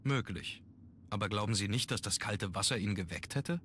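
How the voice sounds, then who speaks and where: An actor playing a grave, brooding young aristocratic heir in a video game, speaking in a measured way. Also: male voice, lowish voice, a bit bright, a little hiss or hum, close to an everyday voice. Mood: guarded. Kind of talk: German video game voice acting.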